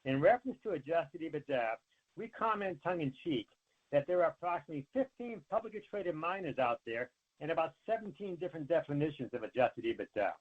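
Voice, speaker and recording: A man, a company finance executive, reading prepared earnings remarks in a formal, measured way over a conference call line. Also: on the high side, sing-song. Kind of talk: scripted earnings call presentation. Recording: narrow, tinny conference phone line.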